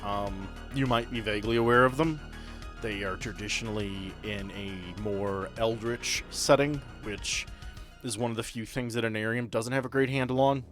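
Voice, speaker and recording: A man's voice: on the low side, fairly even intonation, moderate pace, fairly bright tone. A man running a tabletop game as game master, narrating and explaining the rules in a conversational way. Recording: music behind the voice. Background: background music.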